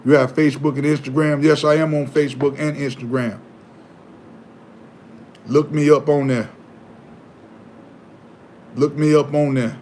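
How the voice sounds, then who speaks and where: A man hosting a live stream, chatting casually and preaching, animated and given to repeating himself. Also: a little high, unhurried, long pauses, slight background noise. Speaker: livestream host.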